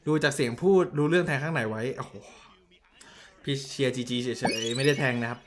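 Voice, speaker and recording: A man streaming himself watching a match, commenting casually in a blunt, excitable way with crude slang and answering viewer messages. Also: medium pitch, a little fast, background noise.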